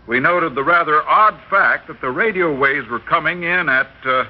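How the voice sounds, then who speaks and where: An actor playing a scientist who briefs the press in a halting way in a vintage radio drama. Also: male voice, on the high side, lightly acted. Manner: halting, with fillers. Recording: dull old radio recording.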